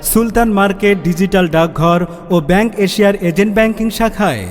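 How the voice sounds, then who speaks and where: A man reading a street loudspeaker advertisement in a loud, declamatory announcing manner. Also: high voice, a little fast. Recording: long reverb with music bed. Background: music.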